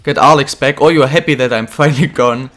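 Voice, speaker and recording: A young man who is a bit ill, chatting casually while commentating his own football video game career, getting excited at goals. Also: mid-range voice, a little fast, faint music behind. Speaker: gaming channel host.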